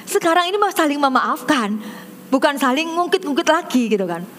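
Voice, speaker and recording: A woman pastor preaching a sermon, telling a counseling story with animated swings between loud emphasis and soft asides. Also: high voice, brisk, slight background noise.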